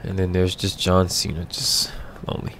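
A man's voice: deep voice, little pitch movement, moderate pace, fairly bright tone, a little hiss or hum. A young man commenting on a video game as he plays it for the first time, incredulous and joking, talking back to the screen. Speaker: gamer. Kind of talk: blind let's play commentary.

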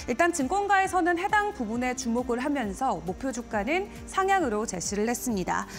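High-pitched, lively young woman news presenter. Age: young adult. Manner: polished, formal presenter delivery. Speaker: TV stock market news presenter. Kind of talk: broadcast financial report presentation. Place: TV studio. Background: background music.

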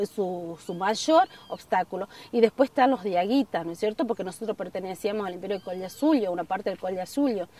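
A middle-aged woman from northwest Argentina, speaking earnestly in an outdoor documentary interview and often pausing on fillers. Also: mid-range voice, a little mellow, far from the mic. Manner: earnest, gesturing, many fillers. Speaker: community member interviewed. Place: outdoors in an open field. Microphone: camera at a distance.

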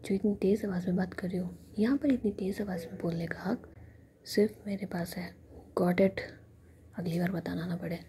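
Woman doing a stern male police inspector, bossy, whispery, dark tone. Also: fairly low pitch, fairly even intonation, moderate pace, slight background noise, natural voice. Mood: scolding.

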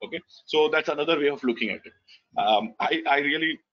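A man's voice: a little high, brisk. A man in his thirties with an Indian English accent, whose first language is Gujarati, giving an online business lecture, talking loosely with many fillers and restarts. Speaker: webinar lecturer. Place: indoor room, video call. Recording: slightly dull lo-fi call audio.

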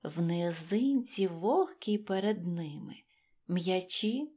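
A woman storyteller narrating a rhymed children's tale in an expressive style. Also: on the low side, slow pace. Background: faint music.

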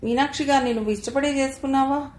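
Woman reading curious young man, direct, earnest, higher voice, echoey room. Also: steady tone, fast talker, a little mellow, lightly acted. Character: curious young man questioning his old friend. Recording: roomy echo, faint background noise.

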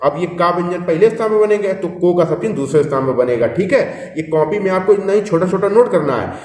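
A man with a Hindi accent teaches a shorthand class, walking through each step and often checking that students are keeping up. His voice is high, expressive, fast, and a little mellow. Picked up from a distance in an echoey room, the recording carries a slight hiss or hum.

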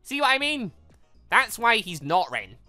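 Figure: bubbly, pushy, childlike young woman, read aloud by a player. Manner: bouncy, excitable, jumping around in pitch. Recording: dry, close. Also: a little slow, no echo, faint music behind.

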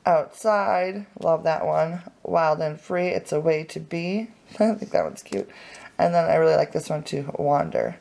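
A woman vlogger chatting excitedly at home as she unboxes craft supplies, with lots of fillers. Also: deep voice, a little slow, creaky. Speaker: family vlogger. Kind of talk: casual unboxing chat. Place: home, indoors at a table.

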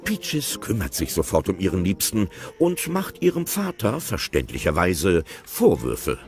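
A man narrating an audio play with expressive, playful commentary. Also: sits low, unhurried, vocal fry.

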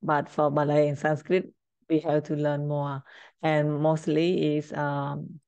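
A middle-aged woman with a Cambodian accent, a native Khmer speaker, teaching informally in halting, simple English. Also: deep voice, level tone, mellow, smooth, dry recording. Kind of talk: informal screen-share language lesson.

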